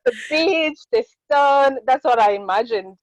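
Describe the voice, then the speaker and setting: A woman's voice: high-pitched, expressive, a little slow, dry recording, rough recording. A woman in her late twenties from Congo whose first language is French, a podcast guest talking earnestly in casual conversation with frequent fillers. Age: late 20s.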